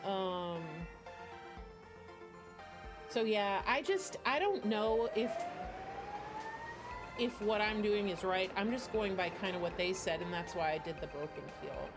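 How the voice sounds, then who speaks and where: A woman's voice: mid-range voice, animated, a little slow, long pauses. Chatty woman streamer over game music. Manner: chatty, rambling, giggly. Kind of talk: casual live stream chat.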